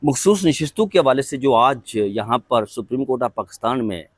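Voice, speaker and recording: A man with a Pakistani Urdu accent giving measured, explanatory news commentary to his viewers, pointedly critical. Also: mid-range voice, lively intonation, no echo. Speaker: political commentator.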